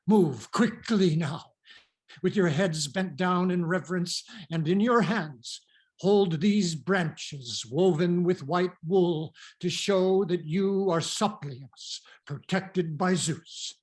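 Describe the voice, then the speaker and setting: An actor reading the part of a cautious, commanding father in a Greek tragedy, in a measured, solemn, instructive manner. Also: sits high, darkish tone. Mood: solemn, cautioning. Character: cautious, commanding elderly father leading refugee daughters.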